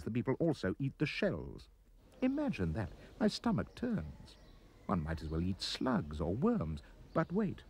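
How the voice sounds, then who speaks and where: A man reading a rhyming children's poem aloud as an expressive storyteller. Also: breathy edge. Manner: expressive storyteller, swooping pitch. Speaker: reader.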